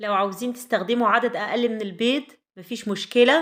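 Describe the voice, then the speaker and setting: A woman speaks with an Egyptian accent in a fairly high voice. The recording is very clean, with a silent background. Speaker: cooking channel host. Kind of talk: cooking tutorial.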